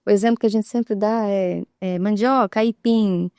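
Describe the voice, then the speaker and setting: A woman's voice: mid-range voice, fairly even intonation, moderate pace, mellow, dry recording, studio quality. A woman with a Brazilian Portuguese accent, a guest on a talk show, patiently explaining and often checking in with tag questions. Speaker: guest, sign language expert.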